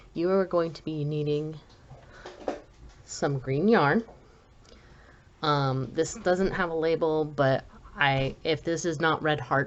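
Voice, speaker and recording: A woman speaks at a very deep, low pitch. Her pace is fairly slow, with long, frequent pauses. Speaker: crochet teacher. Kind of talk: tutorial. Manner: hesitant, many fillers.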